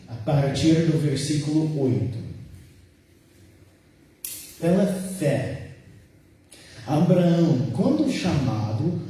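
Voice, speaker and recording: A man with an American accent, his first language English, preaches in slow, careful, halting phrases. His voice is mellow and slightly high for a man. It carries from a distance through the echo of a church sanctuary. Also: slight background noise. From United States. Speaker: guest preacher. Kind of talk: sermon with scripture reading. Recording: echoey church hall from far off.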